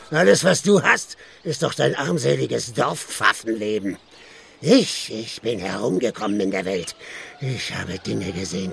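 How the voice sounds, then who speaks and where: An actor playing a drunken, mocking, lecherous village squire and colonel in a German radio play. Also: male voice, mid-range voice, vocal fry, a little hiss or hum. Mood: scornful, boastful. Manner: sneering, swaggering, swinging from murmurs to shouts.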